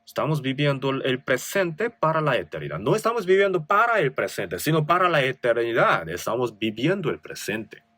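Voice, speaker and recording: A man's voice: medium pitch, very animated, normal speed, few pauses, a bit bright, no echo. A male pastor with a Korean accent preaching a sermon, reading scripture with rising emphasis and asking rhetorical questions.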